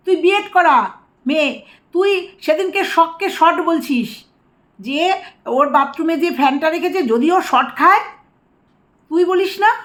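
A woman ranting to camera as a vlogger, scolding and sarcastic, repeating taunts mockingly. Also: sits high. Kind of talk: angry rant to camera.

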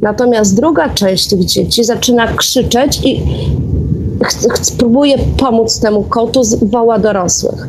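A woman in a casual discussion, setting out her argument haltingly with some drawn-out words. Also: fairly high pitch. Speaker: discussion participant. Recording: clear background noise.

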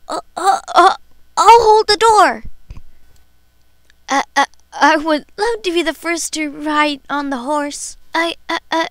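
A woman's voice: very high-pitched, a bit bright, no room sound, studio quality, voice pushed up, full character voice. A woman voicing a small timid fairy-tale dwarf in an audition, stammering and hesitant. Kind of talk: amateur character audition.

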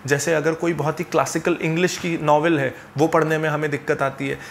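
A man's voice: on the high side, a little fast, gravelly, slight background noise. A young man hosting a finance channel, explaining steadily and earnestly to camera from a small home office on a lapel mic. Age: young adult. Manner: earnest, steady, gestures with hands while explaining. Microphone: clip-on lapel mic.

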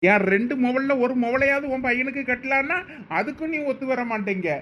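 Guy doing a complaining brother, thoothukudi accent, really high-pitched for a man. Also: fairly quick, a bit bright, a little hiss or hum. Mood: insistent. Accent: Thoothukudi Tamil. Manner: insistent, complaining. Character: aggrieved middle-aged brother demanding his property. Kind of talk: village comedy skit acting.

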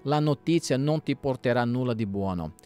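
A man's voice: mid-range voice, expressive, normal speed, a little mellow, faint music behind, close to an everyday voice. A man reading the lines of a stern, blunt army commander.

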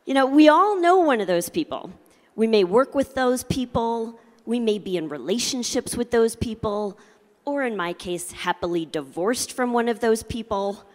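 A middle-aged woman with a fairly high voice gives a motivational keynote in a large indoor convention hall, speaking into a handheld microphone as long reverb carries her words. She tells it as comic storytelling, with lively intonation at a normal speed and theatrical emphasis aimed right at her audience.

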